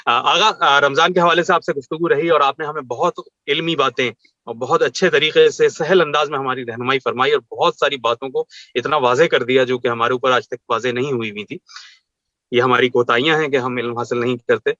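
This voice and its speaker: A man hosts a religious television talk show in a bright, forceful voice. He speaks with formal courtesy and heaps honorifics and blessings on his guest. The sound is dry and a little dull. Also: medium pitch, steady tone, no echo. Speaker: TV show host.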